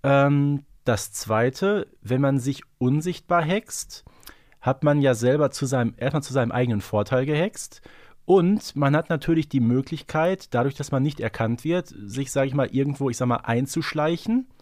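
A man's voice: medium pitch, moderate pace, a little mellow, dry recording. Dry close-miked male podcast co-host. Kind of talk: analytical casual podcast chat.

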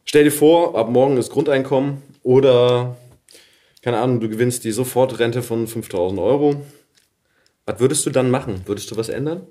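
A man's voice: mid-range voice, normal speed, dark tone. A man hosting an interview in casual chat, informal, with short encouraging interjections. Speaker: podcast host, interviewer.

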